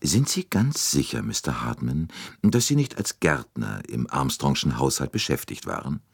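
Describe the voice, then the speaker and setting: A man's voice: sing-song, normal speed, creaky, slightly rough, exaggerated voice. A man voicing a fussy, shrewd older Belgian detective who speaks precisely and probes politely. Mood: probing, ironic. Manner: precise, politely probing, rising pitch.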